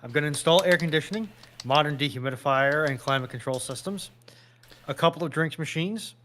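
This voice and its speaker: A man speaking as a panelist in an informal live discussion, in a measured, wordy, wry way. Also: fairly high pitch, fairly bright tone, a little hiss or hum.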